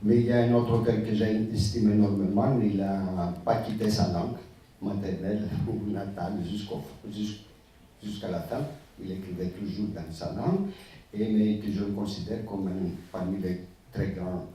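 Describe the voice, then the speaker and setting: A man's voice: on the low side, steady tone, normal speed, dark tone, a little hiss or hum. A man commenting on a literary panel in a conference hall, emphatic yet hesitating with fillers. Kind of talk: panel discussion. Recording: echoey hall from far off.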